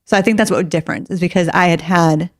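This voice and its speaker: A woman co-hosting a podcast, earnest in casual chat and quick with jokes. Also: fairly low pitch, no room sound, studio quality. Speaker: podcast co-host. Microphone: podcast studio mic.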